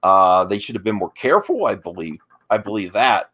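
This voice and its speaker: A man arguing defensively in an unscripted online debate, speaking in a halting, argumentative way. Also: fairly low pitch, big pitch swings, sharp tone. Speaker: debate guest.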